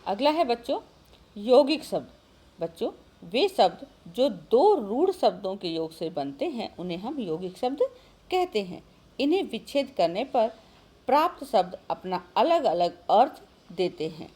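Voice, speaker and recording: In a recorded online grammar lesson, a woman with a mid-range, dark, slightly breathy voice teaches schoolchildren at a measured pace yet sounds very animated. She calls out to the children often and poses questions that she answers herself.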